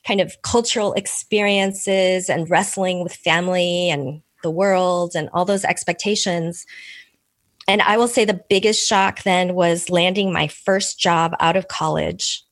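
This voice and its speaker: This author and podcast guest is a middle-aged Korean American woman who came over as an infant and grew up speaking Korean first. Her interview answers come out measured and considered, broken by gentle laughs and restarts. The medium-pitched recording has no echo.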